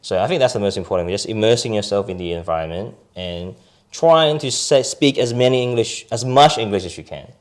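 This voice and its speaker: A man's voice: lowish voice, a little fast. A young man with an Australian accent with a slight Asian edge, chatting as a podcast guest, telling stories with lots of "like" and "right?" and frequent laughter. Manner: chatty storytelling, laughing, many fillers like "like" and "right?". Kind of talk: casual interview chat.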